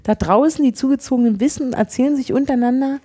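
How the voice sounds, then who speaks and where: Rambling Berlin woman, mellow voice. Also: high voice, quick pace. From Berlin, Germany. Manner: rambling, many restarts and fillers. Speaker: podcast co-host. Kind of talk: casual chat.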